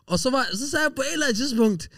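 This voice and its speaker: A man co-hosting a podcast, telling funny anecdotes in a lively, casual way and laughing often. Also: extremely high pitch, creaky, no room sound, clean studio sound, distant mic. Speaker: podcast co-host. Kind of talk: casual storytelling chat.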